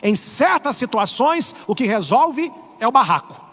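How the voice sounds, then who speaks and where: A middle-aged man with a Brazilian Portuguese accent, a priest preaching an animated, humorous sermon. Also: very high voice, a little slow, in a large hall. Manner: animated, humorous, acts out voices. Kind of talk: lively sermon.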